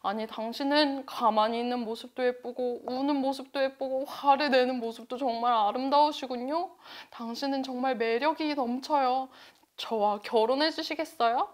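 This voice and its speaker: A woman voicing fickle storybook husbands who propose with flattery and later complain politely. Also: high-pitched, normal speed, close to an everyday voice. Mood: flattering. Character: smitten husbands, fickle grown men.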